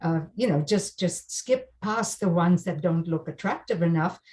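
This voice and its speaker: A woman's voice: lowish voice, moderate pace, darkish tone. A woman from South Africa whose first language is Afrikaans, an audiobook narrator chatting as a guest over a video call, thoughtful with small restarts. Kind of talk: casual video call chat.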